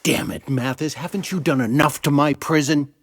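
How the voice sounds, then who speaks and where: An actor playing an earnest, anxious captive prison warden in a video game, speaking with urgency. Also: male voice, on the high side, moderate pace, husky. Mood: anxious pleading. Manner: hushed, urgent. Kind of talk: video game cutscene acting.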